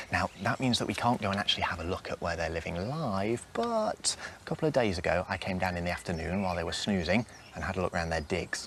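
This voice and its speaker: A man's very deep, low voice races along at a very fast pace amid noticeable background noise. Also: ordinary pitch variation. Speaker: wildlife TV presenter. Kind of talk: TV presenting to camera. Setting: outdoors in a garden. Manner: quiet.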